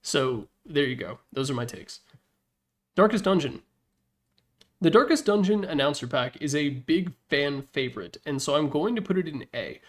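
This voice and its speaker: A man with a slightly high voice presents his rankings in an informal, opinionated way. He talks casually, drops in mild swearing and adds wry asides as he goes. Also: animated, moderate pace. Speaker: presenter of a tier list slideshow video.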